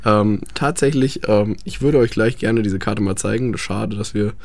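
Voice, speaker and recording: A man's voice: on the low side, moderate pace, a little mellow, no echo. A young man chatting about life abroad, hesitant with many fillers. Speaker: guest. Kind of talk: casual radio chat.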